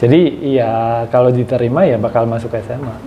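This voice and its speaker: A man speaks with a French accent. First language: French (speaking Indonesian). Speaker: channel owner's husband. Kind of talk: casual chat. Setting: at home.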